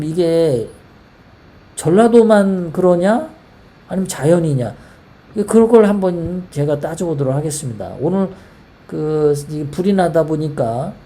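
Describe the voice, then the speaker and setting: A woman's voice: on the low side, mellow. A woman from South Korea hosting a casual political monologue, talking in a heated, rambling way full of rhetorical questions. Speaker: political commentary host.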